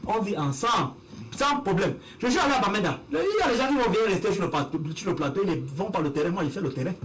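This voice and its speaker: A man from Cameroon, a guest in a heated TV panel debate, arguing forcefully and repeating himself for emphasis. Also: high voice, very animated, fast talker, slight background noise.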